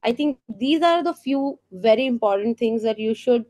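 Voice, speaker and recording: A woman's voice: a little high, expressive, normal speed, mellow. Indian woman giving a teacher training talk. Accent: Indian English. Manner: earnest, explanatory, with frequent fillers and rhetorical questions. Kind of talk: professional development talk for teachers.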